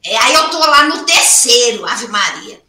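A woman, a podcast guest, telling funny stories in a lively, laughing way in casual chat. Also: on the high side, unhurried, echoey room. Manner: lively storyteller, laughs a lot.

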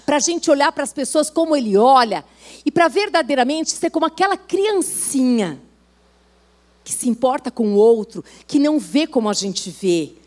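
High-voiced woman preaching a sermon. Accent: Brazilian Portuguese. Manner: earnest, exhorting, acts out quoted dialogue.

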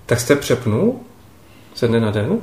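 A man interviewing a guest with short, gentle, probing questions. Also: mid-range voice, sing-song, roomy sound.

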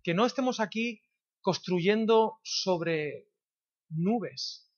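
Drawing out his words in a high voice, a male pastor delivers a church sermon full of rhetorical questions aimed at his congregation. The audio is dull and a little lo-fi.

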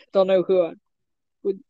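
A man's voice: sits high, little pitch movement, slow pace, dark tone, no room sound, dull audio. A man speaking as a podcast guest in casual chat, hesitant and stammering, laughing a lot.

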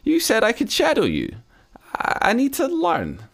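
A man voicing a gentle young Scottish woman in her twenties, a media student, in a read-aloud story. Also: very high-pitched, huge pitch swings, measured pace, pitched above the performer's own voice, exaggerated voice. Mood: eager. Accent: Central Belt Scottish.

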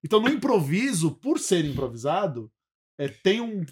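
Brief: male comedian guest, slightly high voice, lively storyteller who acts things out. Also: normal speed, slightly rough. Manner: animated storyteller, acts out scenes. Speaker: comedy group member. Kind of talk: casual interview chat.

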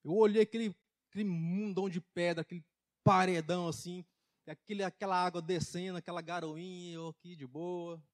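A man preaching a folksy testimony sermon in church, emphatic, with loudness and pitch that swing widely. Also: steady tone, a little fast. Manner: folksy, laughs at his own jokes. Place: church service.

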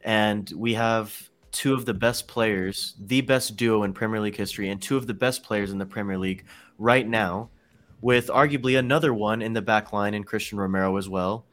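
A man's voice: lowish voice, moderate pace, a bit bright. A man co-hosting a casual fan podcast, talking earnestly and in detail. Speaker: podcast co-host.

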